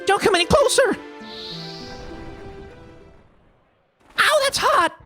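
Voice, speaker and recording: Tiny excitable game kid sneak, super squeaky, sharp, frantic. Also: male voice, fairly quick, soft background music, exaggerated voice. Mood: panicked.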